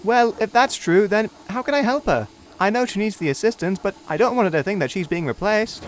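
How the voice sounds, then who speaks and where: A man's voice: high voice, animated, a little fast, a little hiss or hum, pitched above the performer's own voice. A man voicing a kind, anxious young male engine who speaks earnestly and worriedly.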